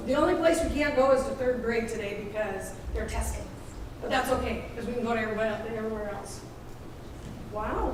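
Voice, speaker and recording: A woman leading a tour of an elementary school, talking in a chatty, upbeat way. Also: a little high. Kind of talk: casual tour talk. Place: school hallways and classrooms. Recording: echoey school rooms from a distance with noise.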